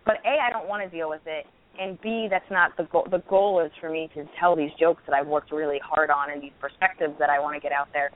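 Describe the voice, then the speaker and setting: A woman in her thirties, a stand-up comedian, telling stories candidly with quick restarts in a casual interview. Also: low-pitched, fairly even intonation. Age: 30s. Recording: tinny phone-like line with faint noise.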